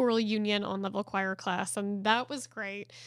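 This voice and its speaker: A woman with an American accent speaks at a medium pitch in a plain, everyday voice, recorded very cleanly against a silent background. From Oklahoma, Edmond and Broken Arrow. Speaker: choir teacher. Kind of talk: casual chat.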